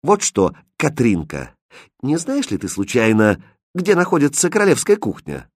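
A man's voice: medium pitch, huge pitch swings, normal speed, dry recording, studio quality, pitched above the performer's own voice. A man voicing a clever, mocking court jester in a storybook reading, teasing and playful.

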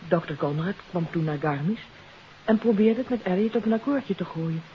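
An actress playing a troubled countess in a 1950s radio mystery, confessing earnestly and hesitantly. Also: female voice, on the low side, animated, moderate pace, natural voice. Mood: confiding. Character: troubled countess confessing her part in a kidnapping. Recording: hissy, dull 1950s radio recording.

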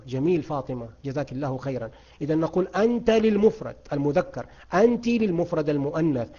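A man's voice: a little high, darkish tone, highs cut off. A man teaching an Arabic grammar lesson to beginners online, quizzing his students and praising their answers.

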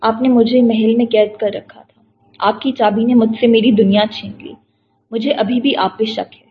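A proud, indignant young woman speaks sharply in a storybook , voiced by a woman reading aloud. Her voice sits a little high, and the recording is slightly dull with a faint hiss behind it. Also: fairly even intonation, close to an everyday voice. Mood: scornful. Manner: sharp, scornful.

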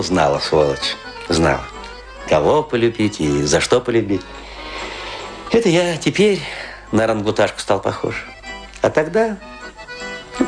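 A man playing a tipsy, self-pitying middle-aged washed-up actor, rambling confessionally in a theatrical radio play monologue. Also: on the low side. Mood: wistful, mock-proud. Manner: rambling confessional, swinging between lament and mock pride.

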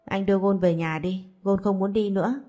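A woman voicing a kind, caring young woman who speaks in a gentle, coaxing way. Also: medium pitch, fairly even intonation, moderate pace, soft background music, natural voice.

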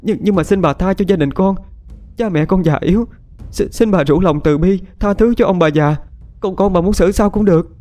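A man's voice: sits high, moderate pace, darkish tone, faint music behind, pitched above the performer's own voice, close to an everyday voice. A man voicing a terrified young servant woman who begs and stammers for mercy in a storybook reading. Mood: desperate begging. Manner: pleading, stammering.

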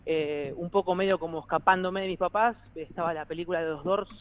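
A man's voice: high voice, fairly even intonation, a little fast, phone-quality sound, slight background noise. A man in his thirties with an Argentine accent, a musician guest who rambles, jokes and laughs often in a casual interview chat. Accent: Argentine Spanish. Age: 30s.

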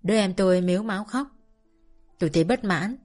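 A woman reads a first-person story aloud in calm, measured narration. Her voice sits at an ordinary mid pitch, with soft music playing faintly in the background.

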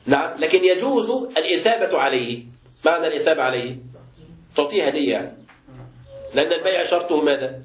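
شيخ سريع الكلام بلهجة مصرية في قاعة درس. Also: male voice, fairly high pitch, animated, quick pace, roomy sound. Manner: explains by asking the class and answering himself. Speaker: sheikh teaching a book class. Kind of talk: classroom lecture with questions.

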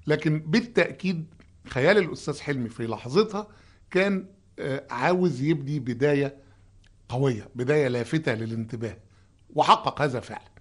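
A man's voice: on the high side, breathy edge. A man with an Egyptian accent who hosts a music commentary, reciting song lyrics aloud and humming melodies as he explains them. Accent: Egyptian Arabic. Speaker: host explaining songs.

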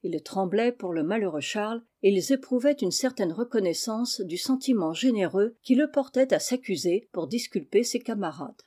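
A woman narrating a classic novel aloud in a measured storytelling manner. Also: mid-range voice, animated, warm tone. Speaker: audiobook narrator. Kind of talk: scripted literary narration.

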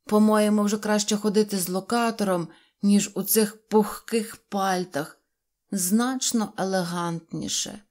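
A dry, ironic little fairy-tale man, voiced by a woman reader. He comments with measured calm, slowing as he lands his point. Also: high-pitched. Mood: wry.

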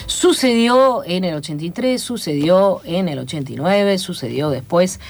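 A woman from Chile, speaking with a Chilean accent, holds forth as a guest on a radio interview. Her voice sits on the low side yet rises and falls in wide, lively swings. She talks in a measured, lecturing way and pads her thoughts with frequent fillers. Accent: Chilean Spanish. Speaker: guest, academic commentator. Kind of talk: radio interview, analytical talk. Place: radio studio.

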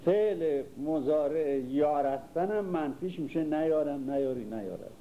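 A man's voice: fairly high pitch, lively intonation, highs cut off. An older man teaching a class, reciting verses and then explaining them in casual speech, quizzing his listeners as he goes. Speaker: literature teacher. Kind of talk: lecture on classical poetry. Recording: faint background noise.

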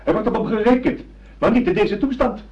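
An actor playing a self-assured, officious doctor who lectures theatrically in a radio drama. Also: male voice, high-pitched, a little fast, darkish tone. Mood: insistent, declamatory. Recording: dull lo-fi radio drama recording.

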